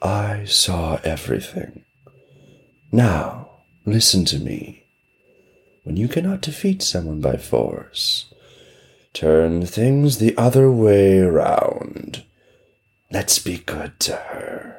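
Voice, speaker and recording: In a put-on character voice, a man speaks very slowly at a fairly low pitch. Long pauses come often. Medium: read story. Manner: sly, coldly calculating, then softly menacing.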